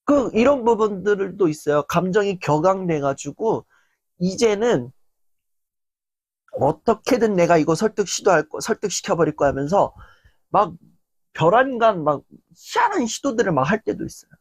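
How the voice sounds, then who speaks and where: Speaking at a moderate pace in a high, husky voice, the same young man lectures casually and animatedly, playing out the reactions he quotes. The recording is dry.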